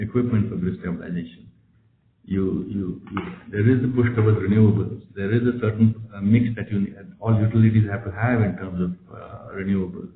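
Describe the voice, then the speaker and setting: A very deep-voiced man answers investors in a blunt, emphatic way, circling back over his phrases. He sounds like he is in an echoing room on a muffled phone line with some hiss. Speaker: company executive answering investor questions. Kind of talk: earnings conference call answers. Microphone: conference call phone. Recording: roomy, noisy, muffled conference phone line.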